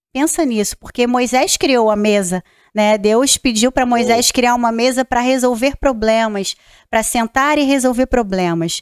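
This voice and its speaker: A woman with a high pitch speaks at a moderate pace, with ordinary pitch variation and very even loudness, in a dry sound with no echo against a quiet background. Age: 30s. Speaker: accounting firm entrepreneur; podcast guest. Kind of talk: casual interview chat. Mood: warm, faith-filled storytelling. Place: studio. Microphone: studio mic.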